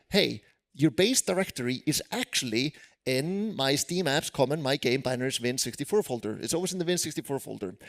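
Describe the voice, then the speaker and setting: Man, icelandic accent, programmer at a conference talk, slightly high voice, chatty with lots of fillers. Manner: chatty, self-deprecating, many fillers. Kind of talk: live conference tech talk. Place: conference hall stage.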